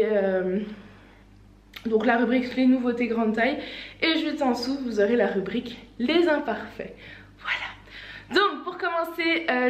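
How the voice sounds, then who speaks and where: A chatty woman with a slight cold, talking through outfits in a relaxed, rambling way full of little fillers. Her voice sits a touch high and sounds a bit roomy, like it was recorded in an echoey room. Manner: chatty, many fillers and restarts, light laughs. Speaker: online clothing shop owner. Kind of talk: casual fashion try-on vlog.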